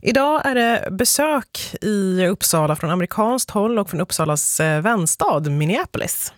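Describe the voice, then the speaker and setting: A radio presenter reading scripted links and phone numbers briskly. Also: mid-range voice, expressive, no echo, clean studio sound.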